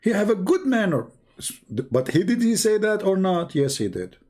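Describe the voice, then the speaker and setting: A man from the Arab world, hosting a live commentary stream in a sarcastic, mocking, halting way. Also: high-pitched, very animated, mellow. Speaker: channel host.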